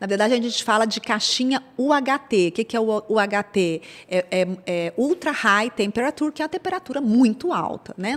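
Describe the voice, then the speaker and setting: A woman in a Minas Gerais accent, fairly high in pitch, with lively intonation at a moderate pace. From Minas Gerais, Brazil. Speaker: nutritionist and food engineer. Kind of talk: interview.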